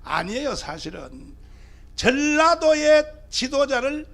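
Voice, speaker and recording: A man's voice: very high-pitched, big pitch swings, slow pace, vocal fry, a bit bright. A man, a pastor giving a fiery rally speech, pressing the crowd with rhetorical questions. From Gyeongsang region, Korea.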